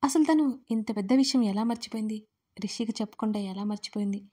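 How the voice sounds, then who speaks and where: A woman narrating an audio drama series in steady, emotive storytelling. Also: medium pitch, quick pace, breathy edge.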